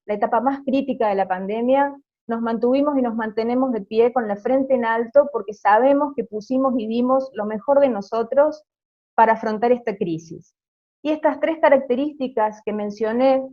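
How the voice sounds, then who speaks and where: A woman with a slightly high voice reads a prepared speech in a formal, measured way. Her audio comes through a video call and sounds dull and lo-fi. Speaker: infectious disease committee member introducing a guest.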